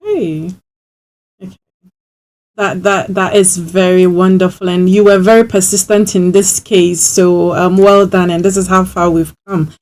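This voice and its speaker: A woman hosting a casual radio interview, asking questions and filling in with soft encouraging sounds. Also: on the low side, flat delivery, unhurried. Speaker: radio host.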